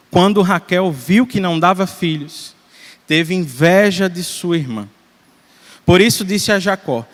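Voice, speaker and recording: A man with a Brazilian Portuguese accent, preaching an expository sermon in a church, measured and emphatic, posing rhetorical questions. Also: on the high side, a bit bright, in a large hall. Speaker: presbyter preaching. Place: church sanctuary.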